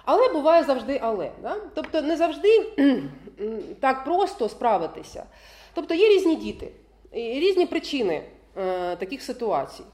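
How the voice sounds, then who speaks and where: Woman lecturer for parents, higher voice, lively melody, keeps asking if you agree. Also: moderate pace. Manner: keeps checking in with the audience; laughs often while talking.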